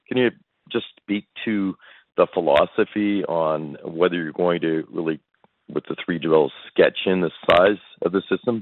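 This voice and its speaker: Very deep-voiced man on a phone line. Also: no room sound. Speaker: financial analyst caller. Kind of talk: earnings call question. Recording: dry narrowband phone line.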